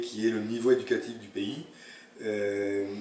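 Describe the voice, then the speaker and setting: Room echo is audible as a man speaks at a fairly slow pace. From France, Burgundy. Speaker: company distribution manager. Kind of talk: interview. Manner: halting, many hesitations.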